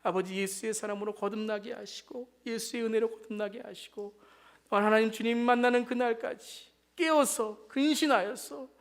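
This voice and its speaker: A man's voice: sits high, fairly even intonation, moderate pace. A man leading a congregation in fervent, improvised Christian prayer as a pastor, pleading emphatically with repeated invocations. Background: music.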